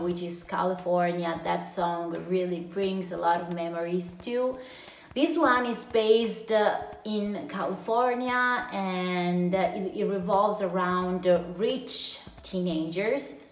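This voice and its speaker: Audible room echo surrounds a woman as she speaks. Her pace is very slow, with ordinary pitch variation. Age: 20s. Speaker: YouTuber. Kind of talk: casual vlog monologue. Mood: enthusiastic, nostalgic. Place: home room.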